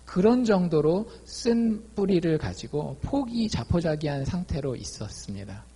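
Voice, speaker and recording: A man preaching a sermon as a pastor, lively, acting out quoted dialogue in his talk. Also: fairly high pitch, measured pace, breathy edge. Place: church.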